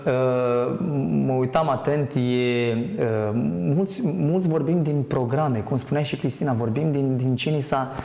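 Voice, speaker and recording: A man's voice: mid-range voice, hardly any pauses, dark tone, echoey room. A man as a guest on a TV talk show, speaking earnestly about spirituality and hesitating with many fillers. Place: TV studio.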